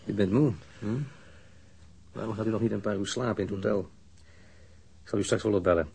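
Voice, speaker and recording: A man's voice: fairly low pitch, fairly even intonation, fairly quick, dark tone, heavily acted. A man acting a courteous, considerate police officer in a radio drama, speaking politely and tentatively. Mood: solicitous. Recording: clear background noise in radio recording.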